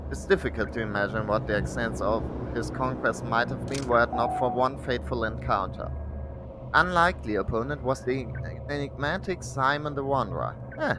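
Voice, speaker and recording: A man's voice: medium pitch, noisy background. A man from Germany with a German accent, reading game texts aloud on a livestream and adding casual comments. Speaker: game streamer.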